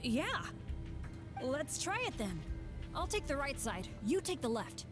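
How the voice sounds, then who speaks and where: A woman's voice: high voice, sing-song, a little slow, over music. A woman playing a cheerful, confident young female adventurer in a video game, speaking expressively and thoughtfully. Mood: upbeat, considering. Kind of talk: scripted video game voice acting.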